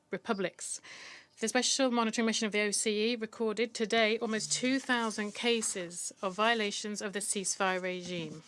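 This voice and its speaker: A woman simultaneously interpreting formal diplomatic speeches in a steady, firm delivery with occasional stumbles. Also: mid-range voice, clear, resonant tone, no room sound. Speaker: conference interpreter.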